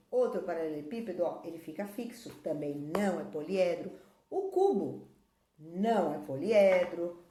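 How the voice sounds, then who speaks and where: A woman's voice: mid-range voice, mellow. Patient woman teaching children. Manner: patient, explaining to children, points at objects. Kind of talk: classroom video lesson. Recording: echoey room.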